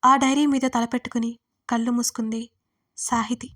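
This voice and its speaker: A woman narrating an audio story in an expressive way, sometimes turning to the listeners directly. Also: a little high, moderate pace. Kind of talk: scripted narration.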